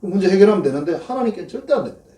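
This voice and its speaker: A man preaching, telling folksy stories and acting out the prayers he quotes. His voice sits fairly high and swings widely in pitch, with a mellow, warm colour. He is heard from a distance in an echoey church sanctuary. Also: big pitch swings, racing. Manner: folksy storytelling, acts out quoted prayers in a mocking voice. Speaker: pastor. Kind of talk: sermon.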